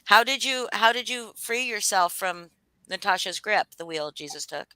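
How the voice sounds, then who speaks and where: Bright-voiced woman chatting bluntly. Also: medium pitch, normal speed, smooth, no echo, poor audio. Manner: blunt, animated gossip with swearing. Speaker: host. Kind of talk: casual chat.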